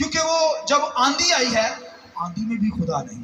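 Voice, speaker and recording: A man speaks in a raised, projected voice at an extremely high pitch, with very wide pitch swings. Noticeable background noise runs underneath. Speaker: preacher. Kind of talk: sermon delivered to a congregation. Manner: fervent, preaching with rhetorical questions.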